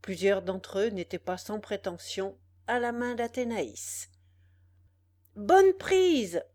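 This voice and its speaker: A woman reading a classic novel aloud in a measured, even narration. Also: mid-range voice. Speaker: audiobook reader.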